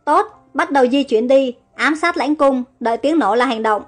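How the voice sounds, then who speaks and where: Woman doing a commanding army captain, firm, high voice. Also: normal speed, close to an everyday voice. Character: resolute male army captain.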